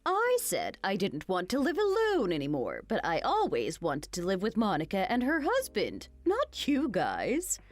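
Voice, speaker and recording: A woman voicing a cruel, greedy older mother-in-law who mocks and insults in an animated story. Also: medium pitch, unhurried, hardly any pauses. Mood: sneering. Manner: sneering, insulting, mocking.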